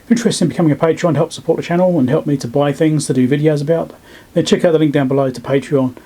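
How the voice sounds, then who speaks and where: A man's voice: fairly high pitch, fairly even intonation, racing, dark tone, slightly rough. A man talking casually and thinking aloud as he hosts a hands-on electronics repair walkthrough. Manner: informal, thinking aloud while working. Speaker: electronics repair video host. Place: indoor electronics workbench.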